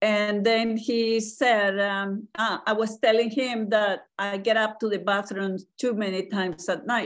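A woman's unremarkable speaking voice, fairly high in pitch, at a fairly slow pace with hardly any pauses and fairly even intonation, over a quiet background. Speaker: patient; audience member. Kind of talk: question to doctor. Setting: video call. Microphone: video call.

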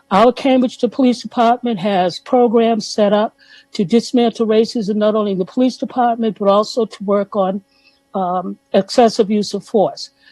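Against music in the background, a woman speaks at a moderate pace in a fairly high pitch with fairly even intonation, the sound dry and close with no echo. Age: 60s. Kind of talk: public testimony. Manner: halting.

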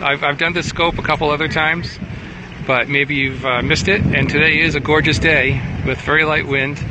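Over noticeable background noise, a man speaks at a moderate pace with fairly even intonation, the sound dry with no echo. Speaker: livestreamer on a boat tour. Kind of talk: casual live-stream narration. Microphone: phone near.

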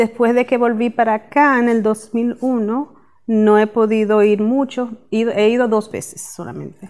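A woman speaks in a monotone, with flat intonation. Her pitch is fairly high and her pace fairly slow. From Rhode Island, US; born in Manhattan. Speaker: community organization worker helping immigrant professionals; interview guest. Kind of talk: interview; interview answer. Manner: hesitant with fillers. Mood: calm, warm, proud. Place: studio. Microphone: lapel.

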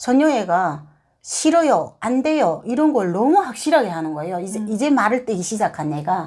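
Very wide pitch swings from a woman with a fairly high voice, moderately paced. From North Korea. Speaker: North Korean defector, former soldier, YouTuber. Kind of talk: interview testimony.

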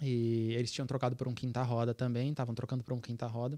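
In a quiet background, a man talks with a dark, mellow tone and monotone, flat intonation. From Brazil. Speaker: solar panel business owner. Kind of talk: casual interview chat. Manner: halting. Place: studio. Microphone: studio mic.

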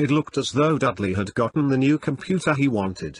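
Reading aloud, plain and simple

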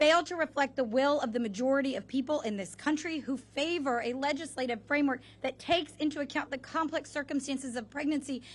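A woman's high-pitched voice at a fairly quick pace, with ordinary pitch variation. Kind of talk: press conference speech. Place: street. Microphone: podium.

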